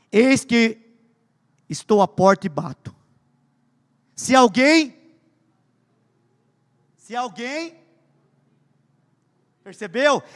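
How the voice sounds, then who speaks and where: High-voiced pastor in a reverberant hall. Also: male voice. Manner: animated, swings between loud and hushed. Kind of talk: humorous storytelling sermon.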